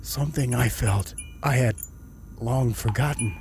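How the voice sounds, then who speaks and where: Man performing terrified prisoner, horror audio drama, halting delivery, brooding, fragile nerves, music bed. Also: medium pitch, darkish tone, lightly acted. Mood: hushed, brooding. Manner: halting, brooding, breaking into panic. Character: terrified male prisoner recounting his solitary torment. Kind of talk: first-person horror audio drama narration.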